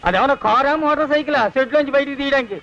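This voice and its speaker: A man's voice: very high-pitched, racing. An actor playing a cheeky male servant who teases his master with mock respect. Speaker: film actor. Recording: dull lo-fi film soundtrack.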